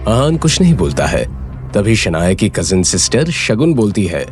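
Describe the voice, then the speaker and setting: Brief: male audio-drama narrator, lively intonation, music underneath. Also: fairly low pitch, moderate pace. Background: background music.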